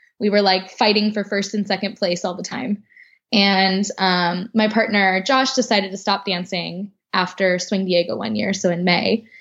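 Against a quiet background, an unremarkable speaking voice goes at a moderate pace with fairly even intonation. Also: woman, medium pitch for a woman. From California. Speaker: professional swing dancer and teacher. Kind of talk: casual chat.

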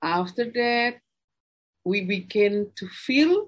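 A woman with an Indonesian accent at medium pitch, against a quiet background. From Bali, Indonesia. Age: 60s. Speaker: batik business owner. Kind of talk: interview. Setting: video call. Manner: halting.

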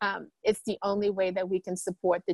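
A woman with a New Orleans accent, the sound dry and close with no echo. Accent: New Orleans Southern American. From New Orleans, US South. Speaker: bank president and CEO. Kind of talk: interview.

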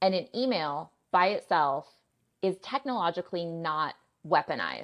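With an American accent, a woman talks at a moderate pace in an ordinary speaking voice, her fairly low pitch rising and falling with lively intonation. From United States. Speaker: cybersecurity threat intelligence expert. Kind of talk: interview.

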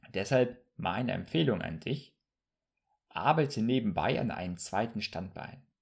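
On a very clean recording with a silent background, a man with an unremarkable speaking voice talks at a fairly slow pace and medium pitch, with lively intonation. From northern Germany, Bremerhaven. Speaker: podcast host and network marketer. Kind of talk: solo podcast monologue.

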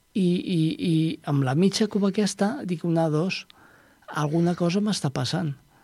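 A man with a high pitch and a dark, mellow tone speaks at a fairly slow pace with ordinary pitch variation and long, frequent pauses. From Barcelona area, Catalonia. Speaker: radio broadcaster and comedian. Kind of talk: radio interview.

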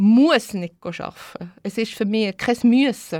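With a Swiss accent, a woman speaks at a very slow pace and fairly high pitch with lively intonation, on a very clean recording with a silent background. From German-speaking Switzerland. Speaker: interpreter. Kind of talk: radio interview.

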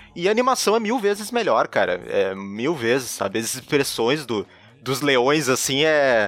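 Speaking at a fairly slow pace, a man uses a fairly high pitch with very wide pitch swings. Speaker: film commentator guest. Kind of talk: casual chat.

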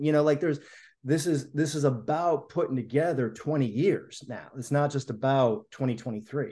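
In a quiet background, a man with an ordinary speaking voice talks at a moderate pace and fairly high pitch, with ordinary pitch variation. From US Midwest, South Side of Chicago. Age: 40s. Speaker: sales executive, former dean of students. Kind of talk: interview.

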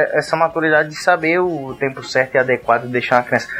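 A fairly high male voice at a fairly quick pace, with ordinary pitch variation and noticeable background noise. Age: 20s. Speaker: podcast host. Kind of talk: casual chat.

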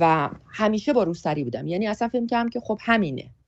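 Her pitch swings very widely as this woman speaks. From Iran. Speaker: theatre actress. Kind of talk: interview.

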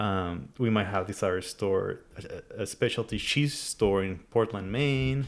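A man with a Spanish accent, fairly low in pitch, at a very slow pace with hardly any pauses and ordinary pitch variation. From northern Mexico, Hermosillo, Sonora. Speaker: tortilla business owner. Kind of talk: casual interview. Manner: halting, repeats words.

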